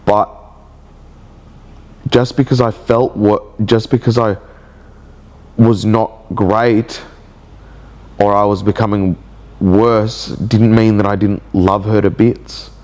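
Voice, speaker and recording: Slow, halting man with a blocked nose. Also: on the low side, little pitch movement, darkish tone. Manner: slow, halting and reflective, with many restarts. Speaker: vlogger. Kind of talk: personal video diary.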